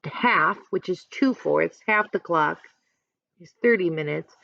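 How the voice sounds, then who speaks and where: A woman's voice: fairly low pitch, lively intonation, slow pace, creaky, a bit bright, no echo, highs cut off. A woman teacher reading a picture book aloud expressively, adding instructive asides and questions for listeners.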